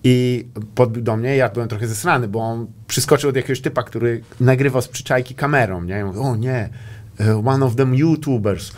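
A man's voice: medium pitch, brisk, few pauses. A young man hosting a casual comedy podcast, telling rambling stories with crude jokes and bits of English. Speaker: podcast host.

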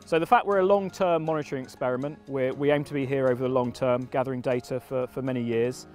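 A man speaking outdoors on a farm in a relaxed, conversational way, restarting phrases as he goes. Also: medium pitch, quick pace. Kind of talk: on-camera interview. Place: outdoors leaning on a farm fence. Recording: faint music underneath.

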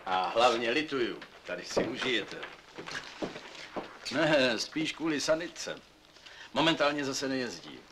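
An actor playing a calm head doctor in a 1960s film comedy, matter-of-fact and dry. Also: male voice, medium pitch, pauses often, noisy background, close to an everyday voice.

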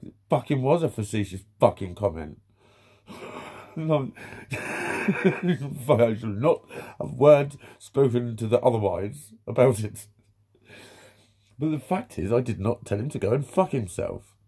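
Bloke lounging in his room, sweary rant, warm husky voice, laughs a lot. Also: mid-range voice, expressive, unhurried, pauses often. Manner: swears constantly, laughs, acts out quotes. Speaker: vlogger. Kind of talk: casual vlog rant. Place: small room with tapestries, lounging.

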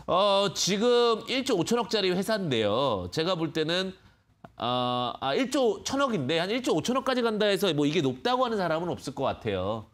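A man's voice: high-pitched, sing-song, normal speed, a bit bright. A man hosting a live phone-in stock show, patiently explaining prices to callers with many fillers. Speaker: stock market expert host.

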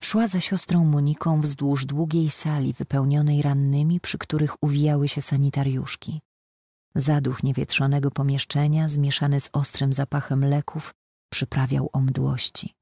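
Gravelly, husky woman reading an audiobook. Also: sits low, little pitch movement, moderate pace, dark tone, dry recording, studio quality. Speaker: audiobook narrator. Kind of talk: scripted audiobook narration.

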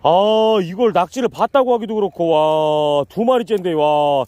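A man vlogging while foraging for octopus on a mudflat at night, wading in the sea. He swings between loud excited exclamations and low, calm explanations. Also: normal speed, no echo. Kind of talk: excited outdoor narration.

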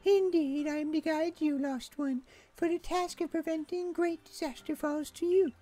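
A man's voice: very high-pitched, steady tone, normal speed, mellow, pitched above the performer's own voice. A man voicing a mysterious old woman who keeps the old myths, speaking in a solemn, portentous way. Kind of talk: dubbing game dialogue aloud.

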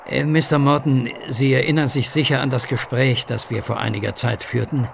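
An actor playing a polite, hesitant and fussy gentleman informant in a German horror audio drama. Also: mid-range voice, steady tone, vocal fry. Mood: courteous, confiding. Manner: polite, halting, formal. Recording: faint background noise.

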